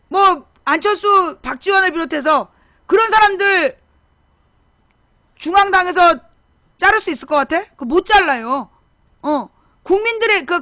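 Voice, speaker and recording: A middle-aged woman with a high, bright voice holds forth in a casual live-stream chat. She rambles, corrects herself mid-sentence, and speaks straight to her viewers. The close mic sounds dry, with no room around it. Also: no echo. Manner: rambling, self-correcting, talks directly to viewers. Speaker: political talk show host.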